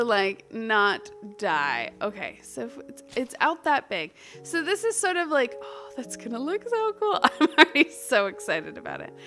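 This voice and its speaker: A woman giving casual, chatty gaming commentary, giggly and excitable, often talking to herself as she plays. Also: high voice. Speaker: gaming video host.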